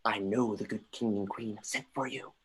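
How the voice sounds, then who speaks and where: A performer acts out a young Danish prince in a Shakespearean stage reading. He is sardonic and brooding, declaiming theatrically at a middling pitch, with the odd stumble over the verse. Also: fairly even intonation, moderate pace, a bit bright, slight background noise, close to an everyday voice. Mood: probing. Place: remote livestream from home.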